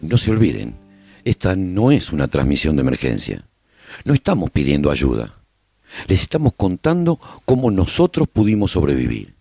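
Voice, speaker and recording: A man's voice: sits low, wildly swooping pitch, normal speed, creaky, mellow, husky, no echo, soft background music. A man with a Spanish accent narrating a radio serial in the first person, telling the story as a survivor speaking to listeners.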